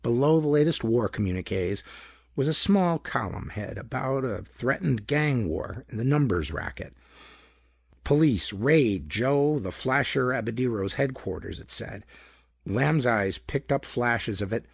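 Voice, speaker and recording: A male narrator reads hardboiled pulp detective fiction. His voice is husky and moves widely in pitch, recorded very dry and close. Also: lively intonation, unhurried, no echo. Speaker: audiobook narrator.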